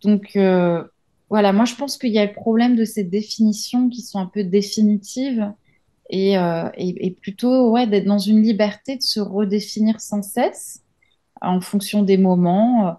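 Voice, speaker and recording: Hesitant, thoughtful woman with mellow voice. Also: mid-range voice, a little slow. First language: French. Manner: thoughtful, many hesitations and restarts. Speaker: interview guest, journalist and author. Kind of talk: reflective interview answers.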